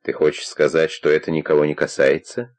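A man reading the part of a calm, kindly older investigator who questions in a persuasive, probing way. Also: rumbling low, fairly quick, voice pushed down.

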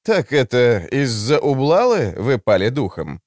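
A man's voice: mid-range voice, very animated, a little slow, a little mellow, dry recording, clean studio sound. A man reading an audiobook, voicing a smug, theatrical grown man with a grandiose, mock-dramatic manner.

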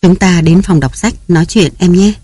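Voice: medium pitch, normal speed, dark tone, husky, dry recording, lightly acted. The narrator voicing a young wife, just woken, who speaks in slightly raised, eager questions. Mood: anxious. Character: drowsy young wife, anxious and impulsive.

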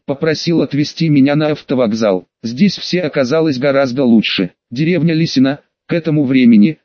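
A man reading a first-person audiobook in a steady, measured storytelling manner with wry asides. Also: mid-range voice, no room sound. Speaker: audiobook narrator. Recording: dull, lo-fi dry recording.

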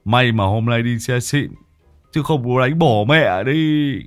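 A man's voice: medium pitch, slow pace, no room sound, faint music behind, voice pushed up, close to an everyday voice. A man voicing a panicky, coarse male sidekick who curses and scolds frantically. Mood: frantic, scolding.

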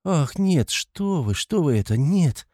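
A timid poor young woman who pleads in soft, halting, flustered words, as a male reader raises his voice to play her. The tone stays mellow and dark-edged under the lifted pitch. The recording is close and dry. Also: no echo, lightly acted. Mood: anguished pleading.

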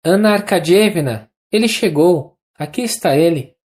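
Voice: mid-range voice, lively intonation, measured pace, a little mellow, pitched above the performer's own voice, lightly acted. A narrator doing a kindly middle-aged midwife. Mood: reassuring. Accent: Brazilian Portuguese.

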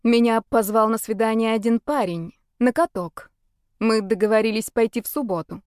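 A woman narrating a first-person audiobook in a measured, even reading. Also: fairly high pitch, smooth, no echo, studio quality.

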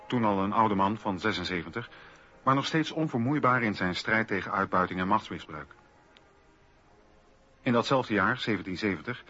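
A man narrating a radio play from a script in a measured, documentary manner. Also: fairly low pitch, bright, forceful tone. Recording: dull lo-fi old radio recording.

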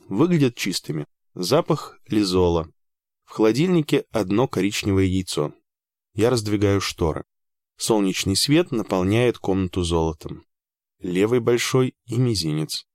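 A man narrating a first-person audiobook in an even, measured way with dry understatement. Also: fairly low pitch, no echo.

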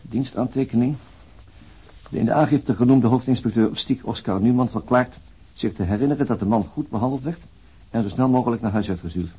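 Very husky, dry official. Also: male voice, medium pitch, brisk, mellow, rough recording. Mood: dry, dismissive. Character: dry male official reading dismissive police service notes. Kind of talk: dramatized reading of official notes.

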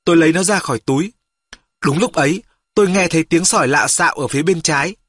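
A man reading a first-person story aloud as an audiobook, steady and storytelling. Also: a little high, fast, breathy edge, no echo. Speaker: audiobook reader. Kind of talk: scripted narration.

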